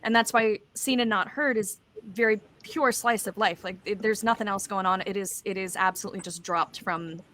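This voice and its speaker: A woman's voice: mid-range voice, fairly quick, a bit bright. A woman speaking casually as a writer on a panel, sharing advice from experience. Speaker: playwright and panelist.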